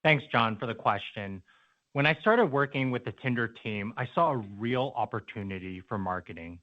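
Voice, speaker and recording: A man speaking as a company executive, giving a fluent, polished and deliberate answer on an earnings call. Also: mid-range voice, no echo. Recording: dull, band-limited conference call audio.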